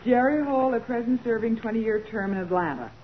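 An actress playing a loyal, inquisitive detective's assistant in a 1940s radio drama, with an eager, questioning manner. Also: female voice, on the high side, lively intonation, fairly quick, lightly acted. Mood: helpful. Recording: noisy, narrow-band old radio recording.

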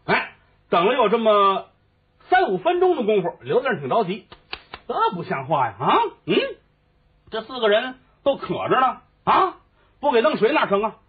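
Lively male comic storyteller. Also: high voice, moderate pace, slightly rough. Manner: switches voices between characters, sings opera snatches. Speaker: crosstalk storyteller. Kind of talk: comic storytelling with sung parts. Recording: phone-like lo-fi recording with faint music.

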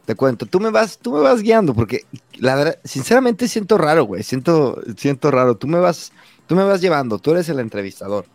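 A Mexican man in his thirties, a podcast host telling his story in a relaxed chat, acting out quoted lines with lively voices. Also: a little high, brisk, dry recording. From Mexico, San Luis Potosí. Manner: animated, acts out quoted dialogue, says güey constantly. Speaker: podcast host being interviewed. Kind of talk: casual conversation.

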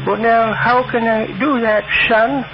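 An actor playing a trusting, yearning old bereaved father with a creaky voice in an old radio drama. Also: very high voice, steady tone, a little slow, dull audio, over music.

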